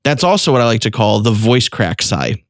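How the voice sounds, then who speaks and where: A man's voice: lowish voice, big pitch swings, normal speed, dry recording, clean studio sound. A man giving an informal, explanatory lesson as a vocal technique coach. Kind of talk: instructional talk with short vocal demonstrations.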